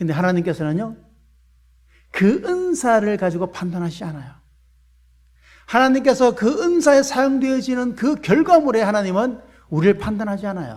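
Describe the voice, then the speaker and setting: A man talks at a moderate pace with very wide pitch swings. He leaves long, frequent pauses in a very clean recording with a silent background. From Daegu, Gyeongsang region, South Korea. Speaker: pastor. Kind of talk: sermon. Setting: church service with congregation.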